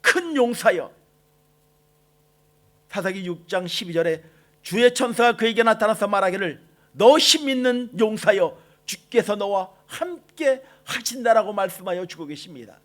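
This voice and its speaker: A male pastor giving a dawn-prayer sermon, moving between quiet passages and shouted, drawn-out lines. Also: high voice, expressive. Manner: swings between soft and shouted lines, quoting God with slow emphasis. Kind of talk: impassioned sermon.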